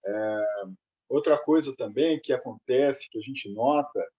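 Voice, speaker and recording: Man, group talk, halting delivery, husky and warm-toned. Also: medium pitch, highs cut off. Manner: hesitant, many restarts. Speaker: study group participant. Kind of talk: casual group discussion.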